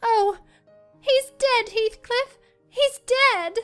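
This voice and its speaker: A woman's voice: extremely high pitch, extremely slow, a bit bright, soft background music, voice pushed up, exaggerated voice. A woman voicing a bold, saucy young girl. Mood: anguished.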